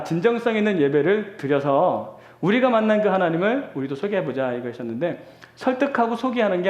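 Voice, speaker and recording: A man's voice: sits high, lo-fi sound. A man preaching to a young crowd, telling stories in a playful way and laughing often. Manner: animated, playful storytelling with laughs. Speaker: pastor. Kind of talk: sermon. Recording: echoey hall.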